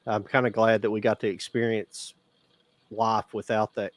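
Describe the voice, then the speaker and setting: A man's voice: fairly low pitch, flat delivery, normal speed. A man in his forties chatting casually about movies on a podcast, rambling and restarting his sentences. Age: 40s. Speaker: podcast co-host.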